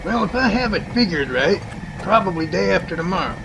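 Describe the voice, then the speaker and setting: A man puts on a gravelly, folksy professor for a homemade radio play. The voice is fairly high and creaky, wordy and enthusiastic in explanation. Loud background noise runs underneath. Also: expressive, fairly quick. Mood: explaining. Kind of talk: amateur radio drama acting.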